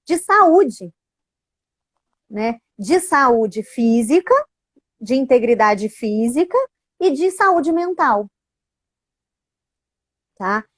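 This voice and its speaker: A woman's voice: a little high, extremely slow, pauses often, breathy edge, no echo, clean studio sound. A middle-aged woman, an educator and parent, talking casually and animatedly, often tagging her sentences with little questions. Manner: animated, frequent tag questions. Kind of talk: casual conversational talk.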